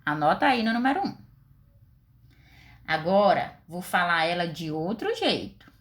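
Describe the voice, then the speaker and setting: A woman teacher with a Brazilian Portuguese accent, giving a recorded class lesson and asking her pupils questions. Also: lowish voice. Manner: slow, deliberate, expressive with questions to pupils.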